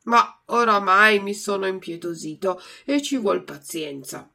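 A woman voicing a stern bearded puppet master who talks loudly and barks orders. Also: medium pitch, expressive, unhurried, gravelly, full character voice. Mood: gruff. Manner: loud, barking commands. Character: gruff bearded male puppet master, stern but soft-hearted.

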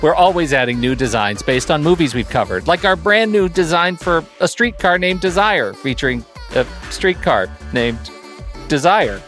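A man's voice: a little high, animated, moderate pace, fairly bright tone, faint music behind. A man co-hosting a film podcast, reading a scripted sponsor and merch spot in a chirpy, salesy way. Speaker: podcast host. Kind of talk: scripted ad read.

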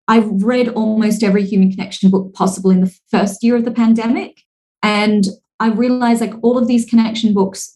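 A woman in her thirties, a podcast guest, talks easily and with energy at a middle pitch. Her speech runs on in long stretches, full of casual fillers. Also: rough recording. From Singapore. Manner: fluent, energetic, frequent "like" and "you know" fillers. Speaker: podcast guest, speaker and author. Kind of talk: casual interview conversation.

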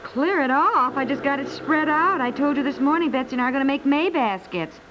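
High-voiced, fussing 1950s mother. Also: lively intonation, brisk, noisy background. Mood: busy, coaxing. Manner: coaxing, chatty, fussing. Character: eager, fussy, coaxing suburban mother and wife. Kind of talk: naturalistic 1950s radio comedy acting. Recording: muffled 1950s radio recording.

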